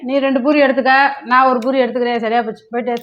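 A woman's voice: a little high, steady tone, quick pace, crowd noise. A woman playing the mother in a family comedy sketch, scolding and ordering others about with dry humor. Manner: bossy, scolding, wry. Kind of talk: comic family banter. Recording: dull lo-fi home recording.

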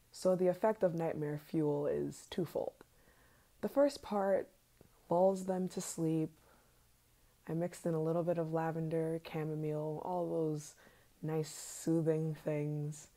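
A woman voicing an obsessive yandere scientist in an ASMR role-play, sweet and sinister, soft-spoken with hesitant pauses. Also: low voice, fairly even intonation. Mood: smug, sinister.

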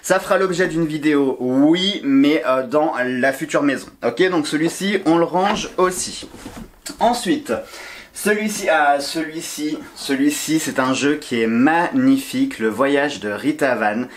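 A man's voice: on the high side, measured pace, a little hiss or hum. A man vlogging at home while sorting his oracle decks, chatty and enthusiastic, with many fillers and restarts. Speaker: tarot and oracle card YouTuber. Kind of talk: casual vlog talking to viewers. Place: home during a move, sorting boxes.

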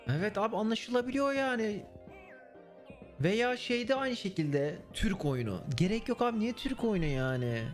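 A man's voice: high-pitched, expressive, moderate pace. A young man, chatting casually with his stream viewers in a blunt, swearing manner. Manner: blunt, swears and mocks freely. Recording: faint music underneath.

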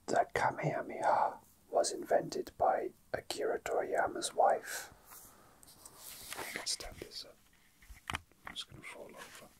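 A man who makes ASMR videos whispers softly and breathily, chatting casually and reading out facts. His delivery is slow, hesitant and unhurried.

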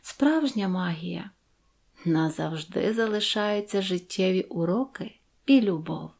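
A woman reading a calm, unruffled grandmother. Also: on the low side, measured pace, gravelly, exaggerated voice. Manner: unruffled, matter-of-fact.

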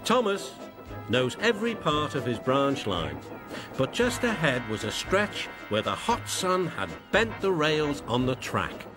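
A man with a British accent narrating a children's storybook in a gentle, measured way. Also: a little high, sing-song. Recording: music playing behind.

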